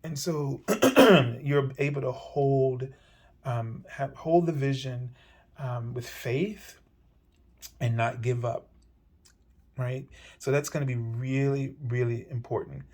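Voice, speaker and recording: Man giving a gentle, rambling tarot reading. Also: medium pitch, slow. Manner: meandering, gentle, many fillers and restarts. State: slightly hoarse. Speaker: tarot reader. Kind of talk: weekly tarot card reading.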